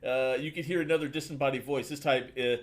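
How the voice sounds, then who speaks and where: A man with a mid-pitched voice runs a tabletop game as game master. He narrates casually and excitably, throwing in spoken sound effects. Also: fast.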